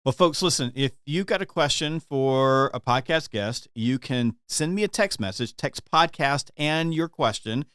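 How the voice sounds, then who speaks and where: A male podcast host talks with a guest in an eager, conversational manner. His voice is clear and smooth at a medium pitch. The sound is close and dry, with no reverb. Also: lively intonation, measured pace, hardly any pauses, a bit bright. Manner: enthusiastic, conversational, some restarts. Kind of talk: podcast interview.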